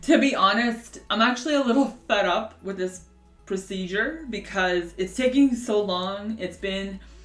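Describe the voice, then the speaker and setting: With music in the background, a woman talks at a medium pitch and a moderate pace, her pitch variation ordinary. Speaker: vlogger. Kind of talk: casual vlog talk.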